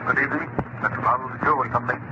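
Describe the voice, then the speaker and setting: A man's voice: medium pitch, steady tone, very fast, natural voice. A man playing a courteous, businesslike jewelry company clerk in an old-time radio drama. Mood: brisk, courteous. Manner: businesslike, polite. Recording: muffled, very noisy vintage radio recording.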